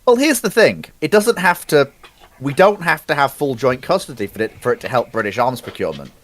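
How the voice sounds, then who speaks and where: A man's voice: medium pitch, lively intonation, fairly quick, a bit bright. A man in a live debate on military procurement, earnestly building his argument step by step.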